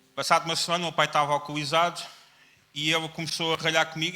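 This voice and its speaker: Speaking very fast in a European Portuguese accent, a man uses a fairly high pitch and a monotone, flat intonation. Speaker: pastor. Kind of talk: sermon.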